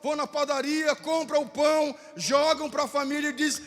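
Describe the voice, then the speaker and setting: A man with a Brazilian Portuguese accent preaching a fervent Pentecostal sermon in a church, repeating phrases and rising to shouts. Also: very high voice, fairly even intonation, moderate pace. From southern Brazil. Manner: fervent, repetitive, rises to shouting. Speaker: pastor. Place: church sanctuary. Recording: church hall with long reverb, faint music.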